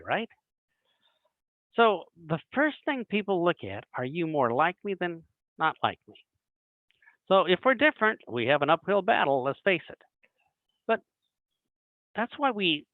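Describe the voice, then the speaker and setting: Lively man on a tinny video call. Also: fairly high pitch, no echo. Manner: animated, acts out little dialogues. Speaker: webinar presenter. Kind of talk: recruiting training talk. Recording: dry tinny phone-like online call audio.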